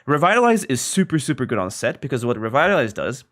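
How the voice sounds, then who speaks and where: A young man with a mid-range, sing-song, fairly bright voice talks quickly as a gaming content creator explaining game strategy in a casual guide. He sounds a bit sick and fills his speech with fillers and "right?".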